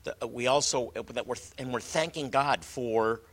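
A male host in a religious teaching conversation, talking slowly and often stopping to repeat words while he searches for terms. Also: medium pitch.

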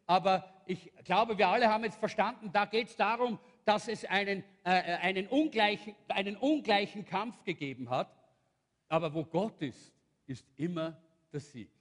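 High-voiced pastor in a reverberant hall. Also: male voice, normal speed. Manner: animated storytelling, acting out the characters. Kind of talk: sermon retelling a Bible story.

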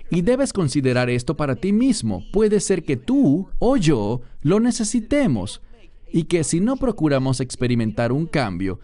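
A man's voice: medium pitch, warm tone. A man preaching a sermon, emphatic and speaking directly to his listeners.

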